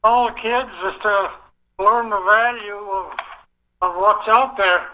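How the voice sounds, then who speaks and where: A man's voice: high-pitched, steady tone, slow, a little hiss or hum. Man in his 80s, speakerphone held away from the mouth, faint and distant, hesitant short answers, dull muffled line. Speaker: father interviewed by phone. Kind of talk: phone interview.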